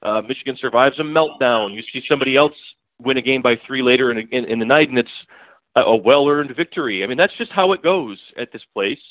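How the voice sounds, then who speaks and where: A man's voice: medium pitch, animated, fast, dry recording. A newspaper beat writer, a man, talks through a game as a podcast guest, in a loose, chatty way, often starting over mid-sentence and chuckling as he goes. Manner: talkative, frequent restarts and fillers, chuckling asides. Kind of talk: casual sports analysis. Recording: tinny phone line, dry.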